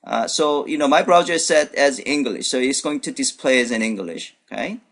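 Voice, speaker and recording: A man's voice: medium pitch, animated, fairly quick, fairly bright tone. A male programming instructor whose first language is Korean, narrating a screen-recorded demo unscripted, thinking aloud with many fillers and restarts. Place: at his computer, voice-over on screen recording.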